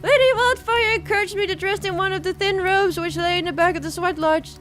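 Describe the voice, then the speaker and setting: A woman voicing a prim, long-suffering young gentlewoman who recounts her story in formal, measured visual novel narration. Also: extremely high pitch, faint music behind, pitched above the performer's own voice. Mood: prim, reproachful.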